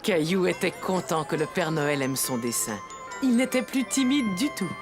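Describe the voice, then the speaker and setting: Gentle storybook narrator for a kids cartoon, lowish voice, music under it. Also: female voice, expressive, moderate pace. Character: gentle storyteller narrating a little boy's adventures. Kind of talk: scripted children's story narration.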